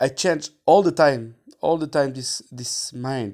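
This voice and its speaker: A man with a non-native accent speaks in a fairly high, dark, mellow voice in a very clean recording with a silent background. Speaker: podcaster. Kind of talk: solo podcast monologue. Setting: solo audio recording. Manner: hesitant, many fillers.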